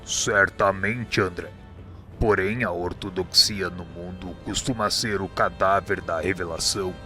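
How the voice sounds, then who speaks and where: A man acts out a wise spirit instructor for a radio drama. His voice is low, with a serene and solemn air. He explains in measured, didactic phrases over background music. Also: steady tone, sharp tone. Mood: patient, explaining.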